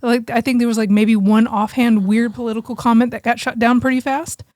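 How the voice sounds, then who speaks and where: A woman's voice: on the high side, level tone, fairly quick, a little mellow, no room sound, clean studio sound. A woman co-hosting a podcast in casual, informal conversation, with plenty of slang and some mild swearing. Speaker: podcast co-host.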